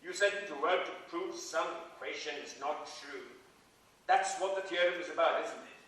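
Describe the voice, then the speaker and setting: A man's voice: on the high side, moderate pace, sharp tone. A man playing an indignant, sarcastic friend, speaking with biting emphasis in a staged play reading. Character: Alfred, indignant, sarcastic male friend scolding a mathematician. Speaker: actor in a dramatised play reading. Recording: very echoey hall, distant microphone.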